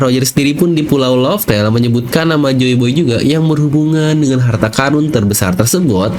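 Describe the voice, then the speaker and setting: A man's voice: medium pitch, a little mellow, slight background noise. A man hosting a channel, narrating fan theories in a chatty, step-by-step way with casual fillers. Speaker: channel host.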